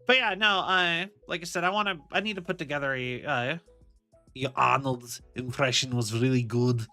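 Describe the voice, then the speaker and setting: Over soft background music, this young man streams as a VTuber in a mid-range voice that sounds pushed and bright, at a moderate pace. His casual chatter wanders, and he repeatedly returns to "like I said."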